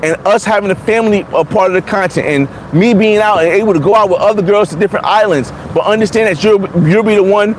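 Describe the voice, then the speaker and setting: A man's voice: sits high, fast talker, few pauses, background noise. A man in his forties, a vlogger chatting casually and bluntly, repeating himself and restarting often. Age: 40s. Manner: blunt, repetitive, many restarts. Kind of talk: casual livestream chat reading comments.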